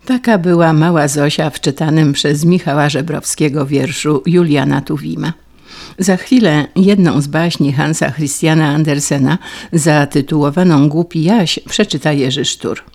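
A man's voice: a little high, moderate pace, gravelly, darkish tone. A man presenting a radio literature program, formally introducing the next reading. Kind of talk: program announcement.

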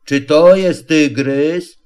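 A man voicing a gloomy, glum old male donkey in a storybook reading, with a slow, mournful drawl. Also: on the high side, darkish tone, clean tone.

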